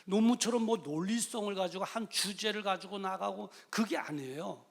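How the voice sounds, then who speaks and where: A man preaching in a church with a high, gravelly voice that carries a long hall reverb. He drives his points home by repeating them, rising to loud calls, then dropping to quiet asides. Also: normal speed. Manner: emphatic, repeats key phrases, swings from loud to quiet. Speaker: pastor. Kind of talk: sermon. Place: church sanctuary.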